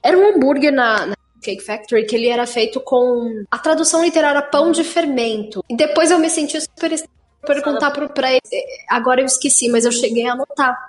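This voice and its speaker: A woman's voice: high voice, a little fast. A Brazilian woman telling casual anecdotes as a podcast panelist. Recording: music playing behind the voice. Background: background music.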